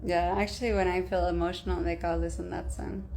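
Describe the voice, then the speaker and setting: The room echo is audible. A woman speaks at a fairly quick pace. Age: 30s. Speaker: reality TV personality. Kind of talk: casual chat. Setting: livestream.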